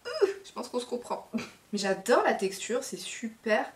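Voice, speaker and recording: A woman's voice: fairly high pitch, very animated, measured pace, roomy sound, far from the mic. A woman vlogger chatting casually through a makeup haul, laughing and teasing herself. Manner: chatty, self-mocking, laughs often. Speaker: beauty vlogger.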